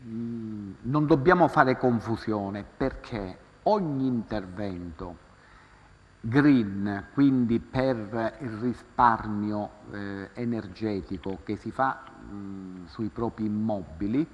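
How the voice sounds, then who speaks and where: A man's voice: on the low side, slow, husky. A man talks through a face mask, explaining hesitantly as a legal expert on a call-in programme. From Calabria, Italy. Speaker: lawyer, consumer-rights expert guest. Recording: dull sound, long hall reverb.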